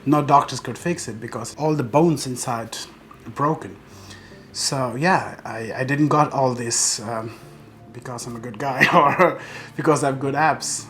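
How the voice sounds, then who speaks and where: A man's voice: medium pitch, a little slow, a bit bright, faint music behind. A man from Afghanistan, a professional bodybuilder, telling his life story in an earnest, determined interview monologue.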